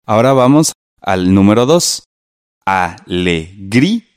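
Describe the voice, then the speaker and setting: A man teaching a radio lesson in a slow, patient way, spelling out syllables. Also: on the low side, sing-song, darkish tone, no room sound, studio quality.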